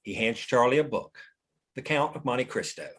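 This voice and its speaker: A man's voice: medium pitch, expressive, moderate pace, a bit bright, husky. A man narrating stage directions at a scripted table read.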